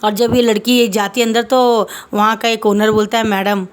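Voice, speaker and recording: A woman narrating a story in a casual, chatty way, retelling the scenes with lively asides. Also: on the high side, normal speed.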